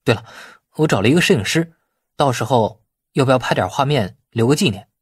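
A composed, capable company boss played by a male audiobook narrator speaks in a matter-of-fact, conversational way. The voice is a little husky and very dry. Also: medium pitch, lively intonation, fairly quick, no room sound. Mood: obliging, casual.

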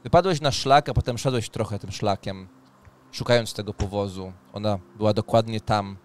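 A man's voice: on the low side, normal speed, slight background noise. A man working as game master, narrating a tabletop roleplaying game in a dramatic storytelling manner. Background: music.

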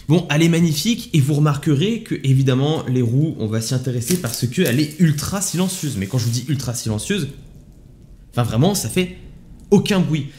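A man's voice: on the high side, animated, brisk, dark tone, a little hiss or hum. A man hosting an upbeat, enthusiastic product unboxing review on his channel. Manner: enthusiastic, upbeat salesy delivery. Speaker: YouTube tech reviewer.

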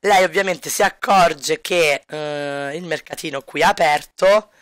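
Male let's-play commentator, wry and joking, high bright voice, dry close mic. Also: unhurried, clean tone, no room sound. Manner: wry, joking asides to the audience. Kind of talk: casual game commentary to viewers.

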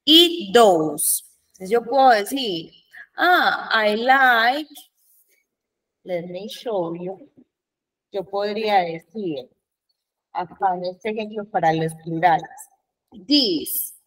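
Speaking in an expressive, fairly bright voice of medium pitch, a Colombian-accented woman walks her students through English grammar. She stretches out example sentences slowly and keeps asking "¿Listo?" The mic sits far from her, and the recording quality is poor.

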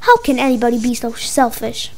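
A woman's voice: fairly high pitch, big pitch swings, a little fast, pitched below the performer's own voice. A woman voicing a game-obsessed young boy frog in a storybook, slangy and indignant. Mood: excited, indignant. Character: excitable young boy frogs, game-obsessed, whiny slackers.

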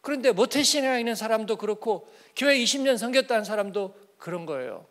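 A pastor delivers an early-morning church sermon in a conversational style, posing questions to the congregation and acting out small everyday exchanges. His voice sits high and fairly bright, and he talks fast and animatedly.

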